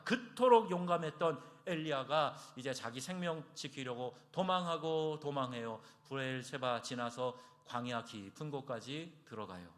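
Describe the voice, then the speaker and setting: A man preaching a Sunday sermon as pastor, acting out quoted prayers and voices with big swings in pitch and loudness. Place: church sanctuary.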